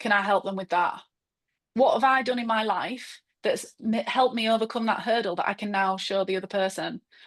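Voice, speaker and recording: A woman speaks at a fairly quick pace with a strong Northern English accent. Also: fairly high pitch for a woman. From northern England. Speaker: business mentor. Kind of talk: podcast interview. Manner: fast; direct.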